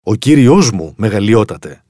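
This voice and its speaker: A man's voice: big pitch swings, dark tone, no room sound, studio quality. A man doing a sly scheming storybook cat. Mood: coaxing. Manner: pleading, eager, higher than his narration. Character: sly clever male cat in boots. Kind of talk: storybook reading.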